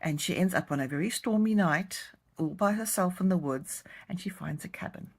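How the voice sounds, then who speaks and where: A woman's voice: fairly low pitch, moderate pace. A woman from South Africa with a South African accent, a romance author chatting to camera as she tells the story of her new book. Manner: chatty, warm storytelling of a plot summary.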